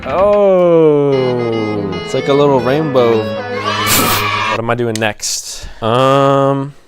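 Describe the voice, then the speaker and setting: Young dude rambling casually, jumpy, music loud behind him. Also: male voice, medium pitch, steady tone, slow. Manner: goofy, easily startled, rambling. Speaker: youtuber. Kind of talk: casual commentary.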